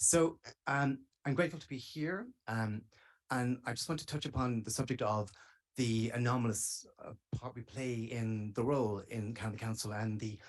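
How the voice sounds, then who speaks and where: Medium in pitch, a man speaks with an Irish accent. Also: ordinary pitch variation. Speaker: lawyer and arts association president. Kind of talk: audience question at public meeting. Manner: fast.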